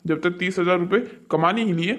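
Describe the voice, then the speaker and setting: A man's voice: high-pitched, brisk, fairly bright tone. A man voicing a stern, exasperated father who scolds sarcastically in a cartoon moral story.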